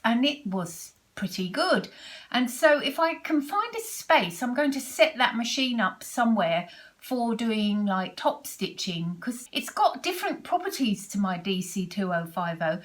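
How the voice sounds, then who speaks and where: A woman's voice: on the high side, sing-song, normal speed, a bit bright. A woman in her sixties from Britain with a British accent, chatting casually to camera about her sewing and rambling through restarts and asides. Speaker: sewing vlogger.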